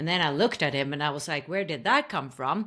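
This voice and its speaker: A woman with a Norwegian accent speaks with a very deep, low pitch and lively intonation. The recording is very clean, with a silent background. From Norway. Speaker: podcast host and spiritual interviewer. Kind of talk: interview conversation.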